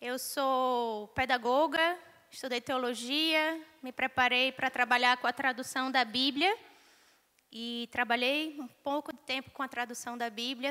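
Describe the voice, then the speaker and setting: Raised and projected, a woman's high-pitched voice moves at a fairly slow pace. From Northeast Brazil, Recife. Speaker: missionary speaker at women's retreat. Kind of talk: sermon-style talk at a retreat.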